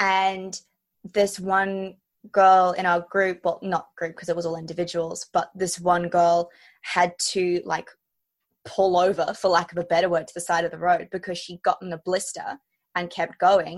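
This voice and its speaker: Speaking with an Australian accent, a woman uses a fairly low pitch at a moderate pace. Her intonation is monotone and flat. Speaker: podcast host. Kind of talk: casual chat.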